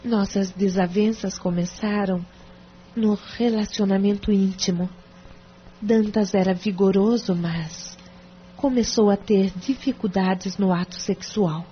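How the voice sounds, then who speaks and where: A woman's voice: mid-range voice, steady tone, unhurried, natural voice. A woman voicing a reserved, hesitant wealthy wife confiding in her lawyer. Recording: dull lo-fi with faint hum.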